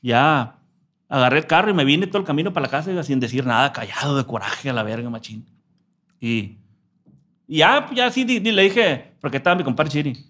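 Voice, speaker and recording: A man's voice: mid-range voice, expressive, fairly quick, fairly bright tone. A man from telling a story in a casual interview, slangy and profane. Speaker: musician guest.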